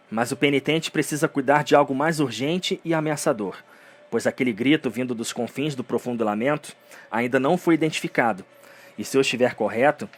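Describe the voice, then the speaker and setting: A man with a Brazilian accent narrating a story in a solemn, theatrical, dramatic scripted style. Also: a little high.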